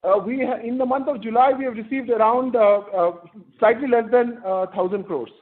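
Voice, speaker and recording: High-voiced Indian man on conference call. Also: steady tone. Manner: halting, self-correcting while citing figures. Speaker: company executive. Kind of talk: answering questions on an earnings conference call. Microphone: telephone conference line. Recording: muffled, band-limited conference phone call.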